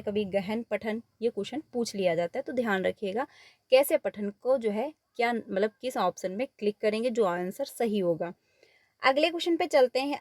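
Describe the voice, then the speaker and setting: A woman teacher with a slightly high voice works through exam questions one step at a time, repeating the answers and slipping English words into her Hindi. The recording is studio quality with no room sound, and it's an exam paper walkthrough lesson.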